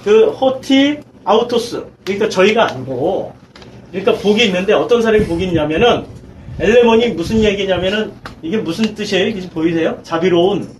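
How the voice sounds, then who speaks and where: A man with a high-pitched voice leads a church Bible study as its pastor. He teaches emphatically, asking his listeners question after question and mixing casual and polite speech. A faint background noise runs under the recording. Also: lively intonation, fairly quick, poor audio. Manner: emphatic, swings between loud and quiet.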